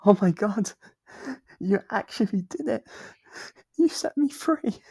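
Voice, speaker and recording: Man voicing a breathy, obsessive lonely demon. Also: high voice, lively intonation, a little mellow, heavily acted. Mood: astonished joy. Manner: intimate, coaxing, hesitant pauses. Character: lonely, devoted, obsessive sealed demon, tender and clingy. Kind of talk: ASMR roleplay monologue.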